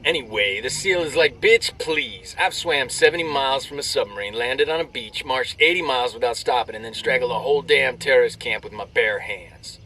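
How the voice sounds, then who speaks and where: A man's voice: medium pitch, pushed and bright, a little hiss or hum, lightly acted. Brash male soldier for a video game, played by a male actor: crude, cocky storyteller, slightly distant, over faint vehicle ambience. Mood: cocky, joking. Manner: crude, swaggering, drawn-out punchline delivery. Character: brash, crude male army soldier cracking off-duty jokes. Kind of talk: military banter, performed joke storytelling.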